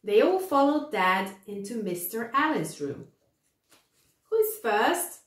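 A woman in her thirties reading a children's story aloud in a deliberate, animated way to young listeners. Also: mid-range voice. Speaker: storybook reader. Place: small room indoors. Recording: echoey room.

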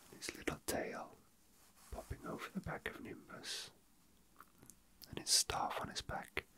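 Speaking haltingly and without a script, an ASMR video host whispers softly and breathily. He's a man, and he stays close to the microphone in a relaxed style.

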